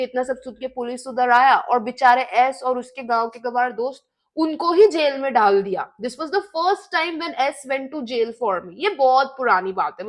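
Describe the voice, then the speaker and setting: A young woman with a high-pitched voice tells a personal story to her viewers. She talks in a casual, expressive way and keeps switching into English phrases. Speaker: vlogger.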